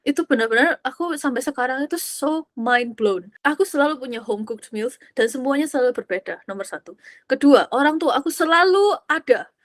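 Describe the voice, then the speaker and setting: A woman's voice: sits high, expressive, fairly quick, no echo. A young woman hosting a podcast, talking through personal stories in a casual, reflective way, slipping English phrases in and laughing often. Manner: mixes English phrases freely, laughs often, acts out voices. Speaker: podcast host.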